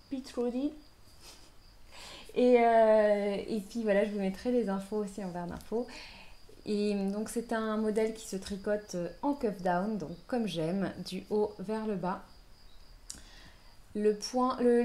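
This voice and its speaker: A woman's voice: mid-range voice, dark tone. A woman hosting a knitting podcast, talking casually with lots of fillers and restarts. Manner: hesitant, many fillers and restarts. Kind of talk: casual chat.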